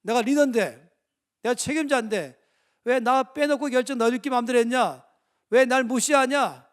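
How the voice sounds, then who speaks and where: God as a stern, fatherly voice who scolds with pointed questions, put on by a preacher mid-sermon. The voice sits high and rises in force as it reproves. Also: moderate pace. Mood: stern rebuke.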